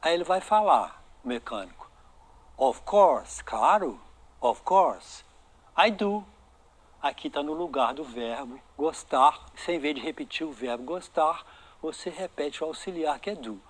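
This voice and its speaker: A man with a Brazilian Portuguese accent teaching English to students, reading dialogue lines slowly for pronunciation practice. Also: fairly high pitch. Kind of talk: online English lesson in Portuguese.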